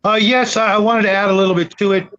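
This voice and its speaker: A man's voice: high-pitched, fairly even intonation, fast, a bit bright. A man hosting a casual gaming discussion, hesitant and thoughtful, over a dull lo-fi connection. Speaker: tabletop gaming talk show host.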